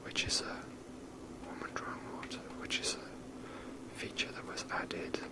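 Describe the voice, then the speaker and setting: A person whispering ASMR gaming commentary in a rambling, unhurried, explanatory way. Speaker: video game player commentating.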